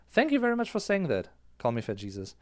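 A man's voice: mid-range voice, brisk, no room sound, clean studio sound. A man in his thirties with a German accent, a native German speaker, casually explaining song lyrics as a music reaction streamer on a headset. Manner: animated, gesturing with his hands. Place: small indoor room.

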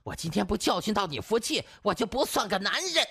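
A man voicing an enraged, coarse husband in an audiobook, sputtering and shouting threats. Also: sits high, very animated, fairly quick, creaky, slightly rough, dry recording, clean studio sound, pitched above the performer's own voice, heavily acted. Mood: furious.

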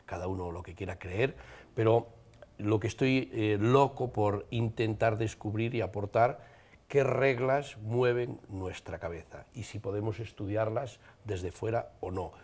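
A man giving his closing thoughts on a studio talk show. His voice sits low, and he speaks in an earnest, reflective way. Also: a little slow, darkish tone. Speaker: studio guest, psychology enthusiast.

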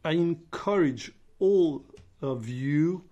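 A man giving simultaneous interpretation of debate speeches, measured and pausing often on filler sounds. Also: fairly high pitch, lively intonation, mellow, dull audio. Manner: measured, with frequent filler pauses. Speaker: conference interpreter.

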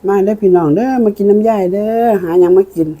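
Older female mukbang eating host, Isan Thai accent, relaxed dark timbre, folksy and conversational. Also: medium pitch, quick pace, highs cut off. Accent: Isan, northeastern Thai. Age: older, a grandmother. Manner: folksy, repeatedly addressing viewers as kin. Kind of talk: mukbang eating, casual chat to viewers while eating.

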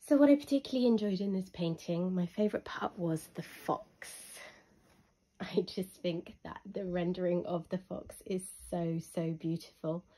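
A young woman with a husky voice from illness, giving a chatty, unhurried review with frequent ums. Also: lowish voice, warm tone. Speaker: hobby reviewer. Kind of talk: casual product review voice-over.

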